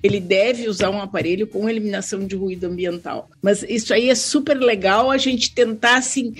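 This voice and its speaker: A woman speaking as an expert guest on a podcast, explaining hearing care in a measured way. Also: medium pitch, slightly rough. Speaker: audiologist guest.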